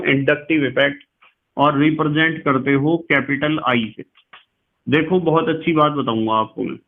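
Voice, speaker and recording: A middle-aged man with a western Uttar Pradesh Hindi accent lectures on chemistry, his voice sitting somewhat high. He explains slowly, repeats key phrases and keeps asking his students questions. The sound is thin and tinny, as if through a phone. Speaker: chemistry teacher. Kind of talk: classroom lecture.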